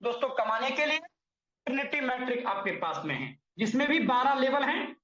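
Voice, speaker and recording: A man's voice: very high-pitched, animated, a little fast, pushed and bright. A man presenting and explaining an earning plan to viewers, often calling them friends and correcting his own figures as he goes. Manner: repeatedly addresses listeners as friends, corrects himself on numbers. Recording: echoey room, dull lo-fi sound.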